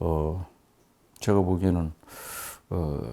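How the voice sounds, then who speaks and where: A man's very deep, low-pitched voice. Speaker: sports journalist. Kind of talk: casual monologue.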